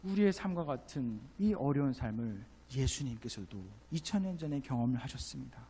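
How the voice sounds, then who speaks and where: Impassioned male preacher in a reverberant hall. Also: medium pitch. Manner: impassioned preaching, rising to loud exhortation and dropping to hushed storytelling. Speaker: pastor. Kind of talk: sermon. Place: church sanctuary. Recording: long church hall reverb.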